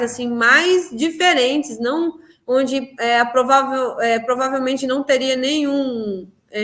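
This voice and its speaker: A woman's voice: on the high side, fairly bright tone. A woman with a Brazilian accent telling of her spiritual experiences in an interview, earnest and emphatic, often repeating her phrases. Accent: Brazilian Portuguese. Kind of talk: personal testimony in an interview.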